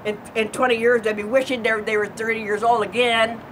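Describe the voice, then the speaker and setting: Older woman, 70s, chatty and sincere, backyard recording with steady noise. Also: fairly high pitch, a little fast. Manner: earnest, chatty, repeats words when thinking. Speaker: neighbor answering viewer questions. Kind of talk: casual outdoor chat. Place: backyard lawn by a wall, outdoors. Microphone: far camera. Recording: outdoor noise, distant camera mic.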